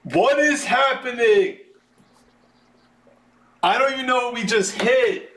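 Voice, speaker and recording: Excitable guy doing card break commentary, drags words out slow, voice wearing a bit, echoey room w some noise. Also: extremely high pitch. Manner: excitable, drawn-out announcing of names. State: voice starting to give out. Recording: roomy echo, background noise.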